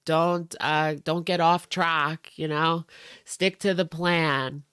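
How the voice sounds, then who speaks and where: A woman's voice: low voice, fairly even intonation, takes it slowly, a bit bright, clear, resonant tone, dry recording, clean studio sound. A young woman hosting a reaction video with casual, sarcastic commentary, a little stuffy-nosed. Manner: sarcastic, chatty. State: stuffy nose.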